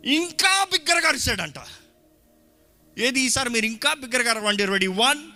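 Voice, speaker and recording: A man preaching a lively sermon to his congregation in a church, shouting at times and mixing in English phrases. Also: very high voice, normal speed, soft background music. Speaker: pastor. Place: church hall.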